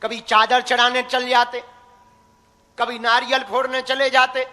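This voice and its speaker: A young man preaches live to a crowd in an echoey hall, teasing and folksy as he exhorts his listeners. His voice is extremely high-pitched, level, and sharp, at a measured pace.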